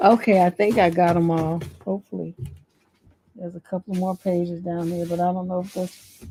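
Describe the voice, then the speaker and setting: The tone is dark and mellow, and the pace is fairly quick. The sound is dry and close, with no echo. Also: woman, fairly low pitch for a woman. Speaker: relationship coach. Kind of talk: advice livestream, reading viewer questions and responding. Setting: livestream. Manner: animated; casual, profane.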